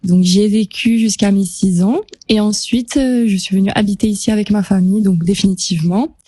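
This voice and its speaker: Mellow-voiced young woman in a dry studio. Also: medium pitch, fairly quick, no echo. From French Polynesia. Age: 20s. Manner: relaxed, chatty, laughs easily, frequent hesitations. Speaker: pageant contestant guest. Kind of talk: casual radio interview. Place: radio studio.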